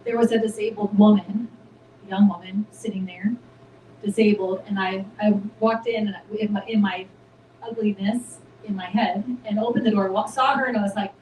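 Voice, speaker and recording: A woman's voice: mid-range voice, normal speed. A woman co-hosting a casual spiritual chat, telling a story and acting out what she said to herself. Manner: animated storytelling, acts out her own self-talk. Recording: roomy, distant mic with faint noise.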